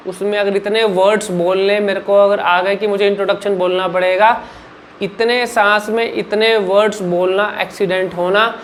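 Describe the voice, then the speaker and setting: A man coaching viewers on clear speaking, explaining in an emphatic way, asking himself rhetorical questions and answering them, and often checking in with the listener. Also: sits high, fairly bright tone, a little hiss or hum. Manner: repeats "ठीक है ना" as a check-in. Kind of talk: instructional vlog talk.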